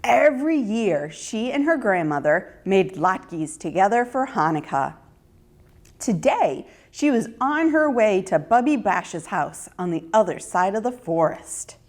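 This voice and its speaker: Slow, expressive woman storyteller. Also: medium pitch. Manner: expressive, deliberate. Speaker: children's storyteller. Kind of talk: scripted storybook narration.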